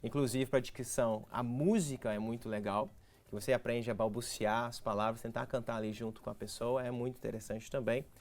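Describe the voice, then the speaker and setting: A man's voice: medium pitch, steady tone, fairly quick, a little mellow. A Brazilian man speaks with a Brazilian Portuguese accent in a middle-range voice. He explains things patiently and step by step, like a teacher giving practical tips. He is a guest in a TV studio interview.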